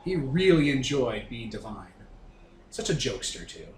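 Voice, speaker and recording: A man playing a breezy, flattering radio talk-show host who chats indulgently with his guests in a showman's patter. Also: medium pitch, moderate pace, reverberant, a little hiss or hum, close to an everyday voice. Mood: indulgent, upbeat. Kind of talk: radio interview role-play.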